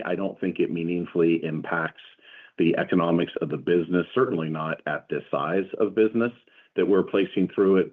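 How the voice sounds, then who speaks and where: A man answering questions as a company executive on an earnings call, in measured corporate explanation. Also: deep voice, husky. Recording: muffled phone-like conference call line.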